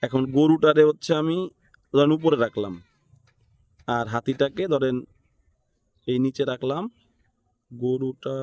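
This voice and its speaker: Man, Bangladeshi accent, medium pitch, casual tutorial instructor, thinks aloud, frequent tag questions, dry recording. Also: a little mellow, no room sound. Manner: thinks aloud, often seeks agreement with short tag questions. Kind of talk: casual step-by-step screen tutorial, unscripted.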